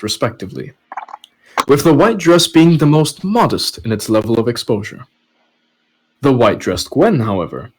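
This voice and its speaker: Male podcast narrator for web fiction, mid-pitched with lively, swinging intonation. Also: slightly rough, low-quality recording. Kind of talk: story narration with casual asides.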